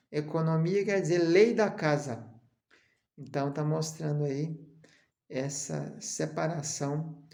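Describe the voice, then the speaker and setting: A Brazilian man teaching a seminary lesson on Greek. He explains slowly, often adds "né?", and chants the letter names. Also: a little high, creaky, darkish tone, reverberant. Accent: Brazilian Portuguese.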